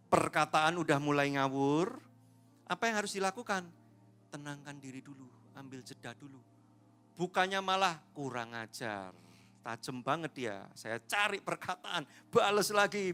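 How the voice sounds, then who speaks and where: Bright, lively male preacher. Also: fairly high pitch. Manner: lively, joking, acts out quoted people; talks straight to the congregation. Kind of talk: sermon. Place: church service.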